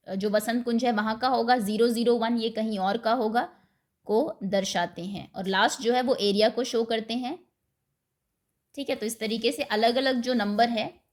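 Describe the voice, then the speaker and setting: A woman teacher slowly explaining a worksheet to young pupils, dictating answers word by word. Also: a little high, fairly even intonation. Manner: slow, patient, dictates words one at a time. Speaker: school teacher.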